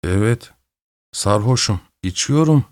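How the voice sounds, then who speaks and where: A man's voice: on the low side, lively intonation, slow pace, darkish tone, no room sound, clean studio sound. A man voicing a meek, sorrowful drunken bearded man who answers plaintively.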